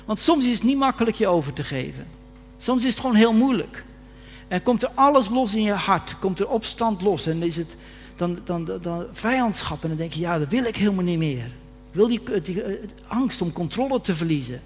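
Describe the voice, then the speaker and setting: A man's voice: sits high, animated, brisk, faint music behind. A man preaching a sermon earnestly, often rising to fervent emphasis, recorded in a reverberant church hall. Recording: reverberant hall with faint hum.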